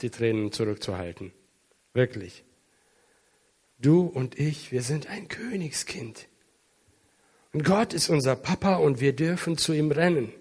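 Slow, earnest German-speaking pastor preaching. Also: male voice, a little high. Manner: emotional, earnest, with some dramatic slow emphasis and rising intensity. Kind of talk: sermon. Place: church hall with an international congregation.

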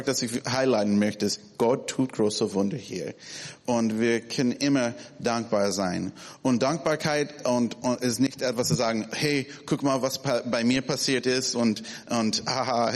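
Man in his forties, non-native speaker, slow halting delivery, long hall reverb. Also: mid-range voice. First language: not German. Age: 40s. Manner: halting, searching for words, many restarts. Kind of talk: informal church talk. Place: church hall.

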